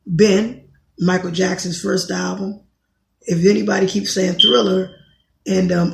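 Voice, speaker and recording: Raspy, gravelly-voiced woman in her thirties. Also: mid-range voice, echoey room. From Washington, D.C. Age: 30s. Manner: blunt, rambling, self-correcting. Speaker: podcast host. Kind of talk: casual monologue commentary.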